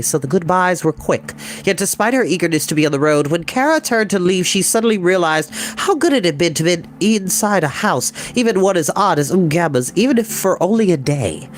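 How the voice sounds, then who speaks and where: A man reading a children's fantasy novel aloud as an expressive storyteller. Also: on the high side, brisk, hardly any pauses. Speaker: storybook reader. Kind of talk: expressive scripted narration.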